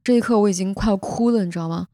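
A young woman hosts a podcast and tells a personal story in an earnest, heartfelt way. Her voice has a mellow, soft tone at a middle pitch. It sounds close and dry, with almost no room echo. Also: rapid-fire. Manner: earnest, emotional retelling with vivid detail. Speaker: podcast host. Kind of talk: casual storytelling chat.

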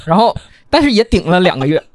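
Young male co-host; animated, slangy storyteller who talks fast on a dry mic. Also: high-pitched, dry recording. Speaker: podcast co-host. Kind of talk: casual chat.

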